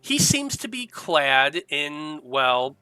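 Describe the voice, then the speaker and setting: Slow, bright-voiced male game master. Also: on the high side, big pitch swings, clear, resonant tone, no room sound. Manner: halting, measured description. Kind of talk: narrating a tabletop game.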